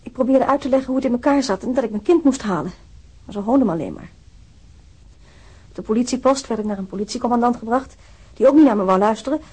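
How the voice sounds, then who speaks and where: An actress playing a distressed, wronged mother who gives earnest, measured testimony in a radio drama. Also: fairly high pitch, darkish tone, slightly rough, rough recording. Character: wronged, distressed mother giving written complaint about police.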